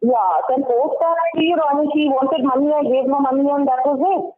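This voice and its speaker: A woman's voice: high-pitched, fairly quick. Middle-aged female, Indian accent, tinny telephone recording, insistent and circling back over the same phrases. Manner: repetitive, insistent, hedging with "you know". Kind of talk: phone conversation. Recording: tinny band-limited recorded phone call.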